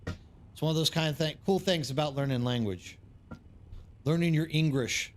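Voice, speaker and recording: Streaming a game, this East Texas man talks with his viewers in a loose, rambling, casual way, his American accent clear. His slightly high voice moves at normal speed, with slight noise in the background.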